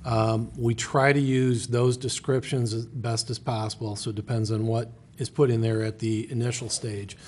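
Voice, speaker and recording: A man's voice: medium pitch, flat delivery, moderate pace, few pauses, darkish tone. A man speaking as finance director at a council meeting, plain and matter-of-fact. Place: city council chamber.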